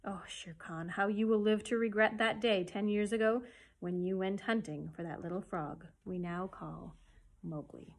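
A woman voicing a wise, protective male black panther from a storybook, speaking gently and earnestly with emphasis. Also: medium pitch, fairly even intonation, moderate pace, lightly acted. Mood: musing.

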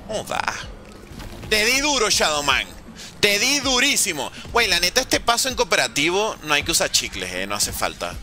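A man's voice: sits high, very animated, normal speed, pushed and bright, faint music behind. A young man streaming a zombie game live, playfully joking, teasing his chat and swearing as he plays. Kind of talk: live gaming commentary, reading chat.

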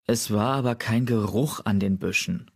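A man voicing a slow, cautious tomcat. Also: lowish voice, slightly rough. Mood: measured. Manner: slow and measured. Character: calm, cautious male warrior cat.

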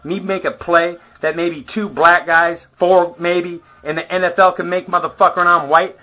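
Boastful man ranting profanely to camera, slightly high, raspy voice, muffled lo-fi sound. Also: little pitch movement, moderate pace, pushed and bright. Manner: profane, boastful, laughs between phrases. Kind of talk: rambling rant to camera.

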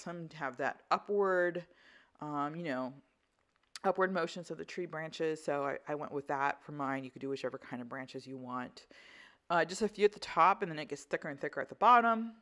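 A woman's voice: deep voice, a bit bright. A woman instructor talking through an art tutorial in a casual, conversational, explanatory way. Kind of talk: casual voice-over craft tutorial.

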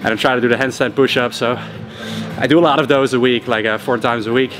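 A man talking casually while training in a gym, loose and relaxed, with lots of "like" and "you know", a little out of breath. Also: medium pitch, fast. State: slightly out of breath. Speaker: fitness vlogger. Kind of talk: casual talk to camera. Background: music.

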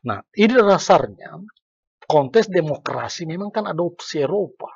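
A middle-aged man speaking as a guest sociologist in a small podcast studio, explaining in an earnest, lecturing way. His voice sits a little high and sounds husky, close and dry at a stand mic, with slightly dull sound. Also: lively intonation, moderate pace, darkish tone, dry recording. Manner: earnest, lecturing, breaks off to reframe points. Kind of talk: podcast discussion. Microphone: desk mic on stand.

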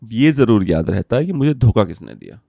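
Lively podcast host, dry sound. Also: male voice, fairly low pitch, brisk, gravelly, dry recording. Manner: conversational, mixes English phrases into his talk. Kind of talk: casual podcast chat.

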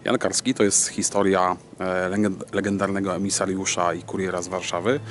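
A man in his thirties hosting a casual vlog to camera, haltingly searching for words. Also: low-pitched, flat delivery, slight background noise. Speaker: vlog host. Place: dim cinema auditorium. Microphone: camera at arm's length.

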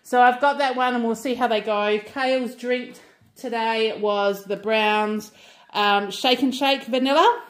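A woman's voice: on the high side, steady tone, a little slow, reverberant. A middle-aged Australian woman chatting casually through a grocery haul, rambling with lots of ums. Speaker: vlogger.

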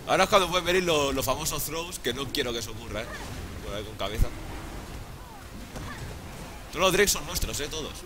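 A young man from Spain with a Spanish accent, commentating his own game excitedly, swearing and laughing often. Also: on the high side, fast, pauses often, heavy background noise. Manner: excitable, profane, laughs often, calls viewers "sobrinillos". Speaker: gaming YouTuber.

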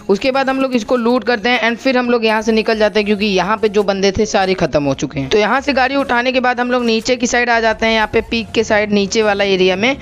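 A man's voice: high voice, a bit bright. Chatty young man narrating his gameplay. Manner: chatty, addresses viewers as brother, keeps asking for comments. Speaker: gaming channel host. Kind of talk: gameplay commentary voice-over.

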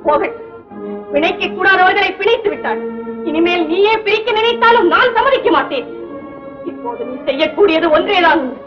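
An actress playing a learned, devout young princess in a 1960s film, speaking in formal literary speech. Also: female voice, very high-pitched. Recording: dull old film soundtrack with music.

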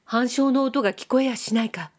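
A woman voicing a resolute, earnest young samurai in an audiobook, speaking firmly and plainly in a slightly lowered voice. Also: brisk, close to an everyday voice. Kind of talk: audiobook reading.

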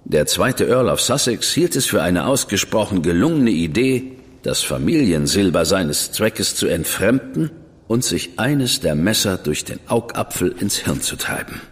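An actor playing a reserved, measured investigator in a radio drama. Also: male voice, low voice, big pitch swings. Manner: measured, dry, withholding. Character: cool, reserved male investigator, brother of a famous detective. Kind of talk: German radio drama acting. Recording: long reverb with music behind.

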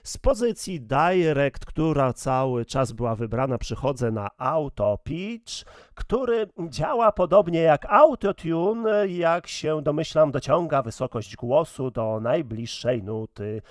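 A man explains how a device works in an easygoing, explanatory way. He speaks slowly and in measured phrases. The recording is dry, with no room echo. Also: fairly high pitch, expressive. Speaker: gear reviewer. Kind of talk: casual product demo.

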